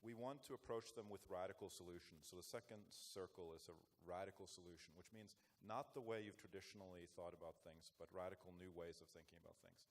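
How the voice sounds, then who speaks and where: A man's voice: deep voice, steady tone, brisk, few pauses, slight background noise. A man, answering as a conference panelist in a reflective, earnest way. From Norway. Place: conference stage.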